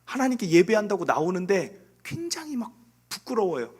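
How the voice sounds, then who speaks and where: A male pastor preaching from the pulpit of a church, his voice set high for a man and leaping up and down with great liveliness. He talks earnestly and confessionally, pushing some phrases out loud and letting others drop to a near whisper. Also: very animated, normal speed, breathy edge. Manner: dramatic delivery swinging from loud emphasis to hushed, near-whispered lines. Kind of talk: sermon.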